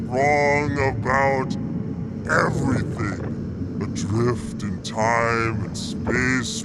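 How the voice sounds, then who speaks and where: An actor playing a gloating, contemptuous villain who savors each word with pompous scorn in an audio drama. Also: male voice, mid-range voice, heavy background noise. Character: gloating, contemptuous villainous observer mocking fools. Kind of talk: audio fiction drama acting.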